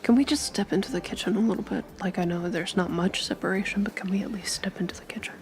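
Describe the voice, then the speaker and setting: A woman playing a down-on-his-luck male private investigator in a tabletop game, hushed, halting, defensive and evasive. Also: mid-range voice, fairly even intonation, gravelly, close to an everyday voice. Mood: urgent.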